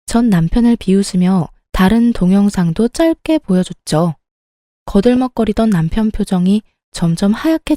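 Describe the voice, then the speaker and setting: Woman reading a story, sarcastic and cool, mellow voice, dry close sound. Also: mid-range voice, no room sound. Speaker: story reader. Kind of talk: scripted storytelling narration.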